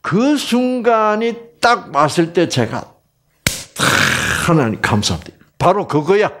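A middle-aged man giving a Bible lecture, asking his audience rhetorical questions and dropping into soft whispers. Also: sits high, big pitch swings, takes it slowly.

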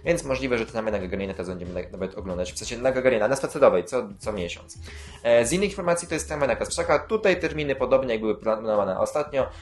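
Rambling man with dry asides. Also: medium pitch. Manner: rambling, many filler sounds and self-corrections. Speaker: YouTube host covering city transit news. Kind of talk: casual news roundup.

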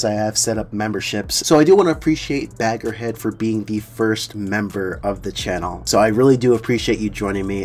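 A young man hosting a gaming video, sniffly from a cold, reacting casually with laughs and rambling asides. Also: fairly low pitch. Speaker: gaming channel host. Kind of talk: casual game commentary. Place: home room, indoors. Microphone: headset mic.

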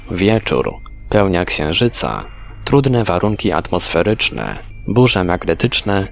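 A man's voice: deep voice, creaky, slight background noise. A man reading a scripted article as a documentary narrator. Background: background music.

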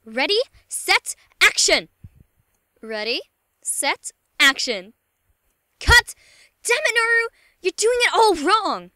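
A woman's voice: very high-pitched, big pitch swings, takes it slowly, long pauses, background noise, pitched above the performer's own voice, heavily acted. A woman voicing a hot-tempered, bossy director in an anime-style audition. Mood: loud, exasperated.

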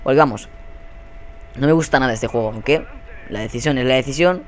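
Guy with a spain spanish accent commentating his game, swears a lot, gets loud and hyped, mid pitch. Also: brisk, slight background noise. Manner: excitable and profane, bursting into shouts. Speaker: gaming YouTuber. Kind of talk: live gameplay commentary.

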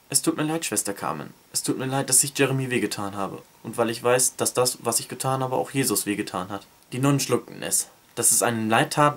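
A man who reviews books, reading a novel excerpt aloud in a steady, even narration. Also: medium pitch.

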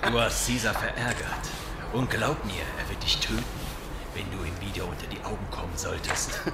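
A man's voice: low-pitched, moderate pace, creaky, over loud music. An actor playing a menacing, crude, sneering gang henchman in an audio drama. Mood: threatening. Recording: echoey, very noisy ambience.

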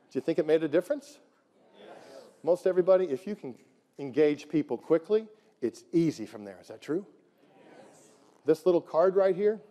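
A middle-aged man giving an energetic motivational keynote on a conference stage, repeating phrases and firing questions at the crowd. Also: fairly high pitch. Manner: emphatic, repeats phrases, asks the crowd questions, leads chants. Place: large conference hall on stage. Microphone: headset mic. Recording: live hall with long reverb.

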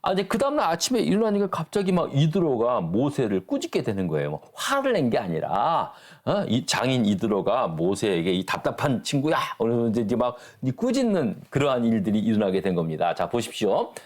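A man's voice: mid-range voice, sing-song, fairly quick, darkish tone. A man pastor leading a church Bible study, talking emphatically and asking the class rhetorical questions.

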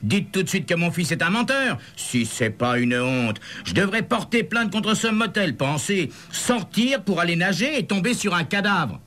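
A man doing a shrill, outraged mother. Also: very animated, moderate pace, hardly any pauses, pushed and bright, heavily acted. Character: loud indignant stout mother in a swimsuit.

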